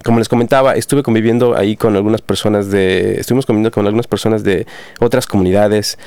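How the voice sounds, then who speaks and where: A man hosts a relaxed community radio chat, talking in a smooth, resonant voice that sits a little low. He is friendly and chatty, filling gaps with hesitations as he announces local events. The sound is dry and close to the microphone. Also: fast talker, no echo. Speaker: radio show host.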